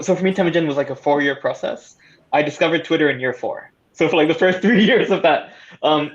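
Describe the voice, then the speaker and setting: A man's voice: a little high, lo-fi sound. A man talking casually as a panelist, hesitant and thoughtful as he searches for words. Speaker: panelist, audio drama creator.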